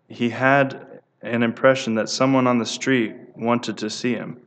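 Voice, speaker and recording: A man giving a devotional talk who reads prayer stories aloud at a steady pace, with small stumbles and restarts. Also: mid-range voice.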